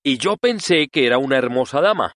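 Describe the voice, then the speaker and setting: A man's voice: mid-range voice, expressive, brisk, fairly bright tone, no room sound, studio quality, pitched above the performer's own voice, lightly acted. A man voicing a male scarecrow who speaks in a complaining tone. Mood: plaintive. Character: straw male scarecrow, plaintive.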